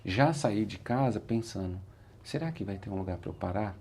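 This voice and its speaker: Brazilian guy on a podcast, earnest, talks thru his story, gravelly dark voice. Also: fairly low pitch, lively intonation, normal speed. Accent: Brazilian Portuguese. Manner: earnest, repeats "said like this" when quoting himself. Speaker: interview guest, motivational speaker. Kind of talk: reflective storytelling in conversation.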